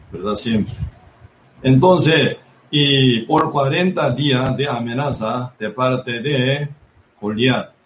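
A man preaching a sermon in language Bible teaching style, halting and repetitive, tagging nearly every phrase with a soft "¿verdad?". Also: mid-range voice. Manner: constant tag question "¿verdad?" dropping soft after each phrase. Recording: echoey room with faint ambient noise.

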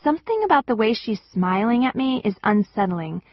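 A woman narrating an audiobook in the first person with an expressive, wistful storytelling manner. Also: on the high side, fairly quick, no echo, dull audio.

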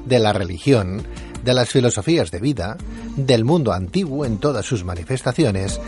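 A man's voice: mid-range voice, darkish tone. Castilian Spanish man presenting over faint music. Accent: Castilian Spanish from Spain. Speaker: radio podcast presenter. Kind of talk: scripted promotional narration.

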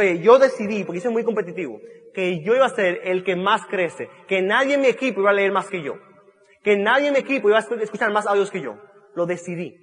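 A man's voice: sits high, fairly bright tone, breathy edge. A man giving an emphatic motivational talk to an audience, repeating key phrases and restarting mid-sentence. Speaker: motivational speaker at a business event. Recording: long reverb of a large hall.

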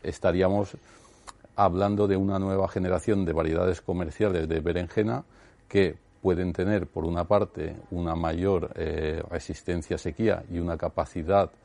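A man's voice: low-pitched, fairly even intonation, normal speed, creaky, a little mellow. A man, the director of a research centre, answering interview questions hesitantly, with frequent fillers.

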